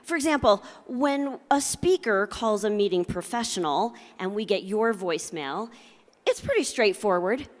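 A woman's voice: medium pitch, lively intonation, normal speed. A middle-aged woman giving a motivational keynote with comic storytelling, speaking with theatrical emphasis and working the audience through a handheld microphone. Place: large convention hall, indoors. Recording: live hall PA with long reverb.

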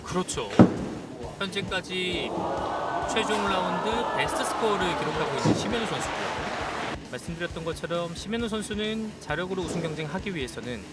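Male golf play-by-play commentator, high register, very animated calls, set back from the mic under loud music. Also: brisk, distant mic. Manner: exclaims and calls shots in short announcements. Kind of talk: live golf tournament commentary.

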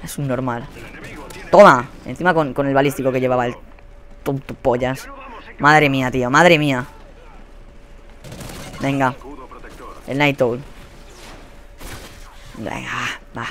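A young man with a Spanish accent commentating his own shooter gameplay, swearing a lot and quick to burst into angry shouts. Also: medium pitch, fairly even intonation. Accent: Spanish from Spain. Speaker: gaming commentator. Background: faint gunfire from the game.

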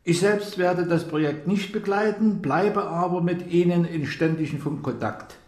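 Male actor for stiff, courteous government official, radio drama; high voice, deliberate delivery, roomy echo. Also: darkish tone, lightly acted. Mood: formal, measured. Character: formal, courteous government official chairing a secret briefing. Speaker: official leading a project briefing. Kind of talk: formal, measured radio drama speech.

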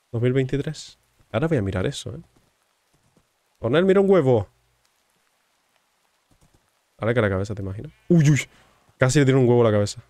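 A man talking his way through a game, cracking jokes at the characters and muttering asides. His voice sits at an ordinary pitch and is recorded close and dry, with no room sound. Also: a little mellow, no room sound. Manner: joking, teasing, chatty with game characters. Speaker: gaming streamer. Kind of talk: casual gameplay commentary.

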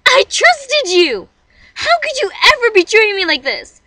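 A dramatic young anime girl, acted by a woman, delivers intense audition lines. Her voice is very high and sharp, swinging widely with theatrical emotion. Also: very animated, unhurried, dry recording, full character voice. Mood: betrayed.

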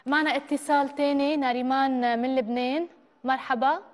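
A young woman with a Lebanese accent hosting a TV talk show, briskly bringing in callers. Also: sits high, fairly even intonation. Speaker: host. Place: large TV studio. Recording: reverberant studio sound.

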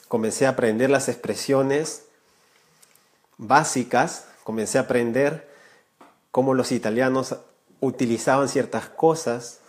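Earnest male language teacher in his thirties, live stream to camera, mid-pitched voice, small indoor room, webcam sound. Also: darkish tone. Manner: earnest, gestures with hands, addresses viewers directly. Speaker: Spanish teacher, channel creator. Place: small room indoors, warm lamp light.

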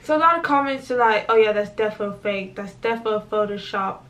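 A woman's voice: mid-range voice, fairly quick, a bit bright, distant mic. A young woman vlogging in casual chat, talking with many fillers and acted quotes, in a small indoor room. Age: young adult.

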